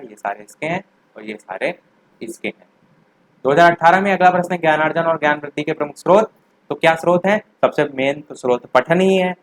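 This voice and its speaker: A young man with a voice on the high side teaches a revision lesson for a teaching exam, and the audio is poor. He explains each answer plainly, speaks directly to his students, and goes back over the key points.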